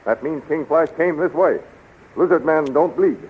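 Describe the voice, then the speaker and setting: An actor playing a dashing, loyal military captain with a formal, commanding manner in a 1930s radio serial. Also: male voice, a little high, normal speed, breathy edge. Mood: urgent. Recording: hissy, tinny 1930s radio recording.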